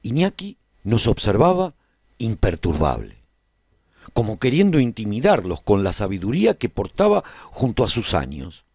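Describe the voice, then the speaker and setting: Radio drama narrator, played by a male actor: low-voiced, earnest, reflective man, solemn dramatic phrasing, very close dry sound. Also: huge pitch swings, moderate pace, darkish tone, breathy edge, no room sound, full character voice. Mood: troubled, earnest. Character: earnest, reflective man recounting his life at a royal court. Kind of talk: scripted radio serial narration.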